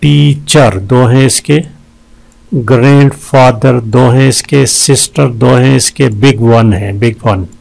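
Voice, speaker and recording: Gravelly guy going through a word list really slowly, says each word twice then counts the syllables. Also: mid-range voice, steady tone, darkish tone, poor audio. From Pakistan. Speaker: teacher. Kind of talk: test-prep vocabulary lesson.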